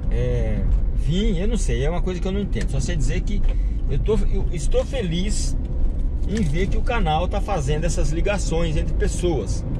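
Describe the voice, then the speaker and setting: A man at a moderate pace under loud background noise. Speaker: channel host driving. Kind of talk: casual vlog chat. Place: car. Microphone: phone near.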